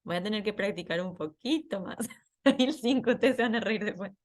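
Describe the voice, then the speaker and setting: A teacher with a medium-pitched voice and a moderate pace patiently walks students in an online class through a scoring worksheet. Now and then she laughs at herself.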